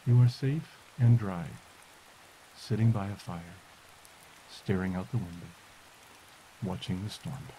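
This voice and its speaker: A man softly and slowly guiding a meditation as podcast host, in a soothing delivery. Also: low voice, poor audio. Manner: soft, slow, soothing delivery. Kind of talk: guided meditation. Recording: hiss and rain noise. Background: rain.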